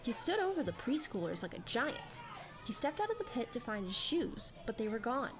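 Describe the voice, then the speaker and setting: Lively high-voiced woman narrating over music. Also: moderate pace. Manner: animated storytelling delivery. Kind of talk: expressive dramatic audiobook narration. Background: background music.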